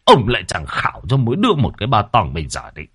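A man voicing an old clan elder gruffly scolding his quarrelling relatives in a storybook tale. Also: fairly low pitch, huge pitch swings, racing, fairly bright tone, exaggerated voice.

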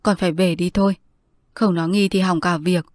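A woman voicing a tender, worried old blind grandmother who speaks in a hushed, close voice in a read-aloud story. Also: lowish voice, fairly even intonation, normal speed, no echo, lightly acted. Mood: soothing.

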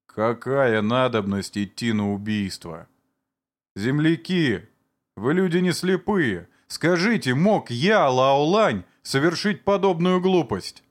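A man voicing a middle-aged man who calmly, then tearfully, defends himself before his neighbours. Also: fairly low pitch, a little slow, lightly acted. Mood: pleading. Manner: calm, then pleading and tearful.

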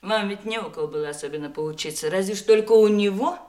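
An actress playing a sharp-tongued, defiant mistress in a theatrical Russian audio drama, with a sarcastic, challenging delivery. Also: female voice, mid-range voice, quick pace, reverberant, close to an everyday voice.

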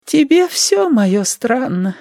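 Audiobook granny, sly and grumbling, put on by a male reader: very high, creaky, swooping drawl. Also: big pitch swings, slow, mellow, no echo, clean studio sound, full character voice. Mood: querulous. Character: grumbling old grandmother, nosy and sly.

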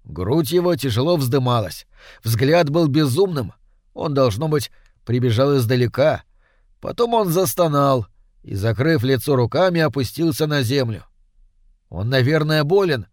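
A man reading a story aloud in a measured storytelling voice. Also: medium pitch, expressive, darkish tone, no room sound, studio quality. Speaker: audiobook reader. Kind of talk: scripted narration.

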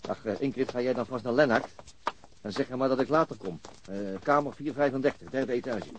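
An actor in a radio drama playing a weary, middle-aged veteran police detective, gruff but fatherly, in a naturalistic style. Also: mid-range voice, brisk, natural voice. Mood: resigned. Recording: noisy radio drama recording.

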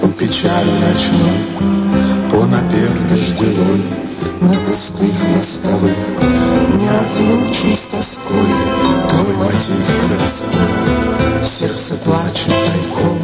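A mournful poetry recital in a radio play. She draws the lines out slowly, lilting widely up and down, over loud plucked guitar music. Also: rumbling low, sing-song, exaggerated voice, rough recording. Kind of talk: slow melancholy poetry recitation in a radio drama.

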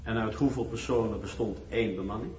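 Actor as distant, echoing formal questioner. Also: male voice, on the low side, steady tone, fast talker, darkish tone, close to an everyday voice. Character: formal male interrogator putting short questions. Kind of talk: formal radio drama questioning. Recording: distant echoey hall, dull, faint noise.

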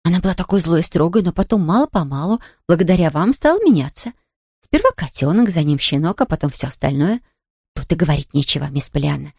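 A woman's voice: low-pitched, expressive, fast, darkish tone, breathy edge, no echo, clean studio sound, exaggerated voice. A woman voicing a blunt, fussy household maid in an audiobook, in a scolding, matter-of-fact manner. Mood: fervent. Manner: blunt and scolding, then fervent. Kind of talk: audiobook character reading.

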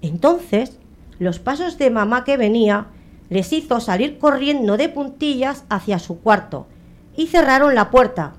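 A woman narrating a story with expressive, dramatic delivery. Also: on the high side, unhurried. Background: faint music.

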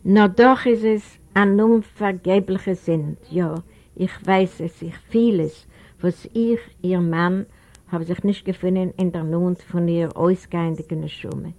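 A woman's voice: on the low side, fairly even intonation, a little slow, darkish tone. A woman voicing an elderly widowed father in an audiobook, speaking with remorse and guilt. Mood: remorseful. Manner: remorseful, pleading. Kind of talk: audiobook character voice.

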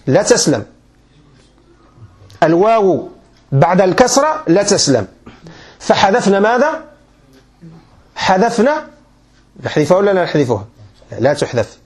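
Male teacher, Moroccan accent, high pitch; patient classroom lecturer who quizzes students often. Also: darkish tone. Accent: Moroccan Arabic. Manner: quizzing listeners with frequent check questions; patient, repeats and restarts points. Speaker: sheikh teaching grammar.

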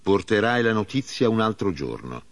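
A man's voice: lowish voice, sing-song. A man reading as a stern army commander. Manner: grave, measured reading.

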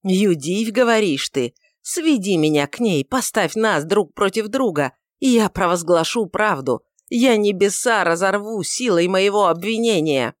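A woman's voice: on the high side, measured pace, no echo, clean studio sound, voice pushed up, natural voice. A woman reading aloud and voicing a grown male apostle, anguished and desperate, in wailing, frantic outcries. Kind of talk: audiobook reading of a dramatic novel.

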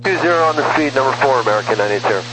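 A male airline pilot speaks over a cockpit radio link, rattling off a readback at a quick clip. His delivery is clipped and businesslike, and faint static hisses behind him. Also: medium pitch, expressive, sharp tone, low-quality recording. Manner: brisk, terse aviation phraseology.

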